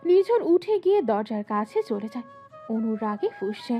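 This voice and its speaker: A woman narrating a scripted romantic story in an expressive storytelling manner. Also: on the high side, moderate pace, muffled recording. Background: background music.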